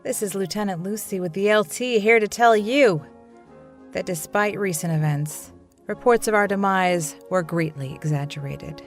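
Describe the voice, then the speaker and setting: An actress playing a swaggering wasteland militia lieutenant in a comedy, declamatory and tough with mock-official boasting. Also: female voice, mid-range voice, normal speed, faint music behind, lightly acted. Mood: defiant, proclaiming. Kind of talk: comedic audio drama acting.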